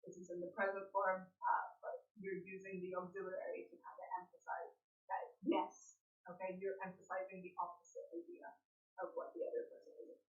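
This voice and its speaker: A woman's voice: medium pitch, expressive, a little fast, echoey room, lo-fi sound. A woman teaching an online English class in an upbeat way, often checking in with "okay?".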